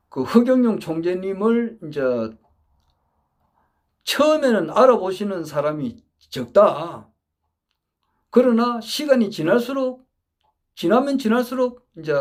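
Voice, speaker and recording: A man giving an earnest monologue lecture, emphatic and repetitive, often restarting his phrases as he builds his point. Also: fairly high pitch. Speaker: political supporter giving a talk.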